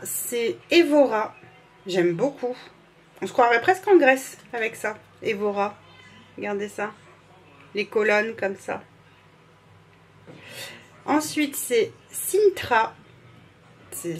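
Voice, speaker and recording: Slow-talking, chatty woman vlogger. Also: fairly high pitch, a little hiss or hum. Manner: chatty, gushing, apologizes for mispronouncing names; fumbles and restarts while reading labels. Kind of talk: casual vlog chat.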